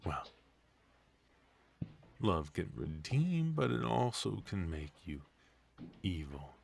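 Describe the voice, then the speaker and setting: A man's voice: deep voice, big pitch swings, slow pace, creaky, slightly rough, exaggerated voice. A man playing a retired supervillain husband in a comedic ASMR roleplay, teasing and doting with a theatrical, conversational delivery. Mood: tender, sly.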